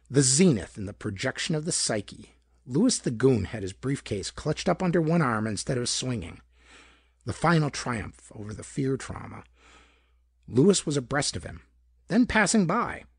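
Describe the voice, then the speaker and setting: A man narrates hardboiled crime fiction like an audiobook, his voice rough with fry and husk. His pitch swings expressively as he tells it dramatically. The sound is close and dry. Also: no room sound. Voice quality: gravelly, husky. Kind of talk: scripted narration of hardboiled pulp detective fiction.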